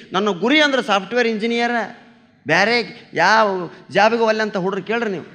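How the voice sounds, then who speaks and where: A middle-aged stand-up comedian, telling folksy stories and acting out their people with quick shifts of voice. His voice sits high for a man. It rings out with the long reverb of a big hall. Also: fairly bright tone. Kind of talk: storytelling stand-up on stage.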